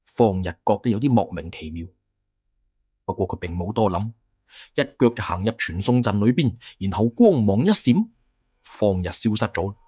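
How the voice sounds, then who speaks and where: A man's voice: on the low side, expressive, moderate pace, warm tone, husky. A man with a Cantonese accent narrating a fantasy novel in a dramatic, scripted audiobook style.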